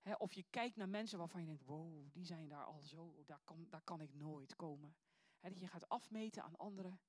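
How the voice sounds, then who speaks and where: A woman's voice: lowish voice, no room sound. A woman reading scripture aloud and then giving an earnest, reflective sermon that poses searching questions to her listeners. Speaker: preacher.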